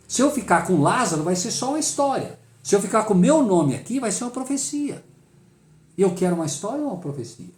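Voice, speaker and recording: A man's voice: very high-pitched, a little mellow, reverberant. A man with a Brazilian accent leading a Bible study, emphatic and full of rhetorical questions he answers himself.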